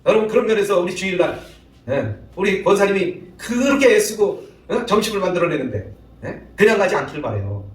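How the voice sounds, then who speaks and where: In a church sanctuary, a male pastor preaches with lively energy, acting out what spouses say in altered voices and calling out to the congregation for responses. His high voice moves briskly, captured far from the mic in a roomy, low-quality recording.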